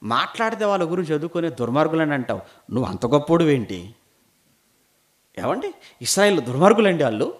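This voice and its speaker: A man preaching a sermon in a fairly high voice that rises and falls over a wide range. He presses his listeners with rhetorical questions, jumping from loud, pointed emphasis down to low, quiet lines. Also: very animated, quick pace, pauses often. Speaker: pastor.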